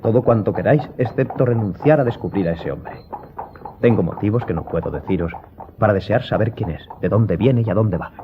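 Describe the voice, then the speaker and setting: Deep-voiced, resolute gentleman Franz played by a man. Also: a little fast, slight background noise, close to an everyday voice. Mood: earnest. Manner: formal, earnest. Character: Franz, resolute, courteous young gentleman, intensely curious. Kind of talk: radio drama acting. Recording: dull recording with background music.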